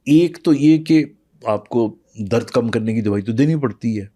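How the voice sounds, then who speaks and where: A man speaking as a doctor on a podcast, patiently walking through his answers with pauses and fillers. His voice is mellow and warm. The recording is dry and close. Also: medium pitch, no room sound. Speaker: internal medicine doctor, podcast guest. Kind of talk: explanatory interview talk, mixing in English.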